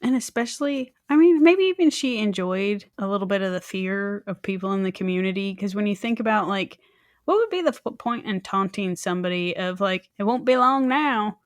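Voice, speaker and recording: A woman co-hosts a true crime podcast, bantering casually and jokingly about a crime case, and drops little asides in acted voices. Her mid-range voice is expressive and fairly quick, captured in a dry recording with clean studio sound.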